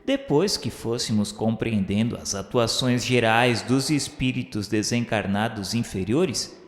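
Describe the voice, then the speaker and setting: A man with a Brazilian accent acting as a solemn, remorseful scholar's spirit, narrating a radio drama in measured, literary phrasing. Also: mid-range voice. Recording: echoey hall reverb under music. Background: music.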